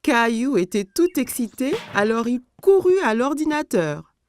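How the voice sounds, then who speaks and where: A woman narrating a children's cartoon as a scripted story, telling it clearly in simple sentences. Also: on the high side, sing-song, unhurried, a little mellow, faint music behind.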